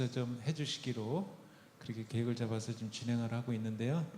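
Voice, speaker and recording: Music plays behind a man speaking at a moderate pace with fairly even intonation. Room echo is audible. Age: 60s. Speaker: church elder preaching. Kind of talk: sermon.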